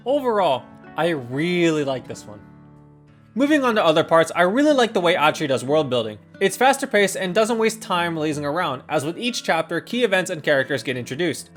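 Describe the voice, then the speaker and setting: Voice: mid-range voice, sing-song, fairly quick. A video reviewer reading a scripted first-impressions narration in an enthusiastic, opinionated manner. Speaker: video game reviewer and host. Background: guitar and instrumental music.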